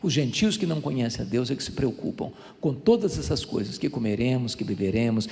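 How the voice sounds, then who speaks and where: Animated older Brazilian preacher. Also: male voice, mid-range voice, brisk, vocal fry. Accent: Brazilian Portuguese. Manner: animated storytelling preacher, dramatic swings. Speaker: pastor. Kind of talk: sermon. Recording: echoey hall reverb.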